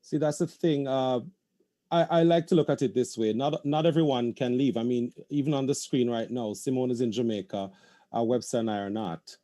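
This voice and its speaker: A playwright on a video call panel, talking thoughtfully and halting with many restarts. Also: male voice, mid-range voice, mellow. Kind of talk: panel discussion.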